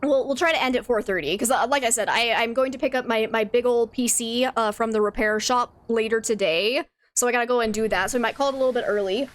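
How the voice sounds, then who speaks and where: A woman's voice: fairly high pitch, fast, few pauses. A woman streaming a video game, chatting casually with her viewers, laughing often and reading out their messages. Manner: chatty, laughs often, reads chat aloud. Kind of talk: casual gameplay stream chat.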